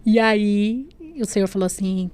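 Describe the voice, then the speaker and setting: A woman's voice: mid-range voice, fairly even intonation, a little slow, a little mellow, clear, resonant tone. Woman, emotional personal testimony, podcast studio, tag-question fillers. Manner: storytelling that acts out remembered dialogue. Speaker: guest sharing a faith testimony.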